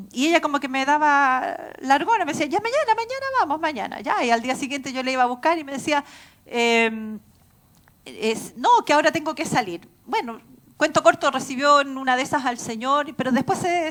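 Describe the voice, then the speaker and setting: A woman pastor with a Chilean accent preaches in a church, her voice sitting high. She tells her stories earnestly and laughs at herself along the way. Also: fairly bright tone. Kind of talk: sermon.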